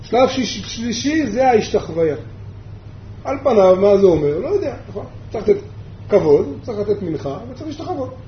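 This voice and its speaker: A rabbi with a fairly high voice teaches a Torah lesson, asking his class questions and circling back to his main points. The room is echoey, the sound is a little dull, and there is a faint hum behind him. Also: big pitch swings. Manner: asks the class rhetorical questions, repeats key points.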